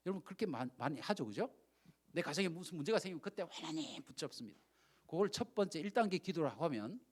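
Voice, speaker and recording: Male pastor, middle-aged, high and swooping voice; acts out his stories while preaching. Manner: animated storytelling, acts out quoted speech, asks the audience questions. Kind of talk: sermon.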